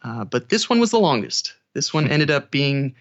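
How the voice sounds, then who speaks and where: A man's voice: mid-range voice, sing-song, normal speed, dry recording, muffled recording. An American man talking casually as an interview guest who works as an audiobook narrator.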